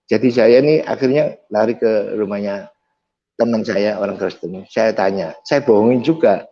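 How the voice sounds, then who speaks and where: A man with a mellow, warm voice tells his own faith story in a lively way. He acts out each exchange and presses harder as the story turns dramatic. The recording sounds dull and lo-fi. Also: on the low side, normal speed. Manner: vivid storyteller who acts out dialogue, intense at dramatic moments. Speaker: testimony speaker. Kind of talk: personal faith testimony storytelling.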